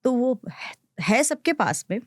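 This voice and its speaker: A woman's voice: a little high, unhurried, no room sound, studio quality. A woman actress, a guest in a podcast interview, telling stories and switching freely between Hindi and English. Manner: animated, acts out others' quotes.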